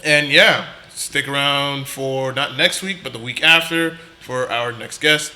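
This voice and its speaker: A man's voice: medium pitch, steady tone, measured pace, pushed and bright. A man hosting a podcast in a casual, conversational style. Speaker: podcast host. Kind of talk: casual chat.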